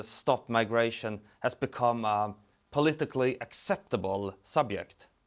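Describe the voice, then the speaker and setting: This man's voice sits at a medium pitch and varies in an ordinary way, captured in a very clean recording against a silent background. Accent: Swedish. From Sweden. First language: Swedish. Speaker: interviewer. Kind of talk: interview. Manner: halting.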